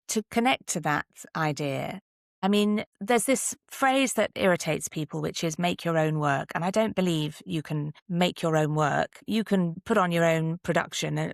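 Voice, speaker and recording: Podcast guest, female. Lower register with some fry, close dry sound, candid and emphatic, encouraging. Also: no echo. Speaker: podcast guest, actor and drama teacher. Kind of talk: conversational interview advice.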